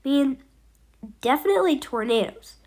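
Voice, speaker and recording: A woman's voice: sits high, expressive, normal speed, darkish tone. A woman giving a casual storm update as an amateur weather forecaster, rambling and hesitant with many fillers, while she has a cold.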